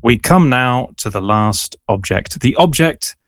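A man's voice: medium pitch, animated, unhurried. A man hosting a conversational interview, explaining things in a loose, hedging way. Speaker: interviewer, host.

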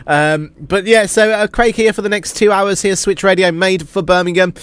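A man's voice: high voice, fairly even intonation, normal speed, fairly bright tone, smooth, dry recording. A British man hosting a casual live radio show, sounding nasal and blocked up with a cold, as if his nose were pinched. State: congested with a cold. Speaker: radio host. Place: radio studio.

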